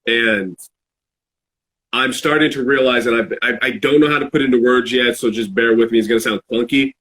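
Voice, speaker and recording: A man in a casual, reflective podcast chat, halting as he searches for words. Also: mid-range voice, fairly even intonation, a bit bright, rough recording. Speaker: podcast speaker.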